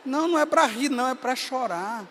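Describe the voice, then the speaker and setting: High-pitched preaching priest in reverb. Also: male voice, expressive, a little fast, slight background noise. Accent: Bahia, Brazil. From Brazil. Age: 50s. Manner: storytelling, rising to impassioned shouting. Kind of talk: sermon. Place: large hall at a camp gathering. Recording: long reverb of a large hall.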